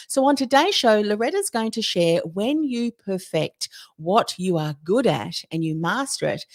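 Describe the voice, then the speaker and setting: A middle-aged woman hosting a podcast interview, measured as she introduces her guest. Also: fairly low pitch, a little mellow, no room sound, studio quality. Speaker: podcast host.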